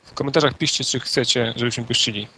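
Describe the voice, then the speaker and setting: A man co-hosting a podcast, chatting casually and explaining at length in a relaxed way, with many fillers. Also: mid-range voice, fast talker, slight background noise. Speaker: podcast co-host. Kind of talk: casual chat.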